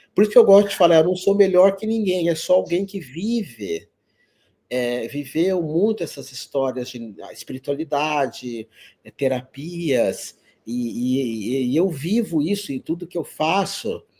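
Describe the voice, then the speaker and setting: A man speaks with big swings in loudness and very wide pitch swings. His pitch sits fairly high, with a dark, mellow tone. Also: fairly slow pace. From São Paulo, Brazil. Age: 60s. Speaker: holistic therapist and teacher. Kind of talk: interview. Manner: halting.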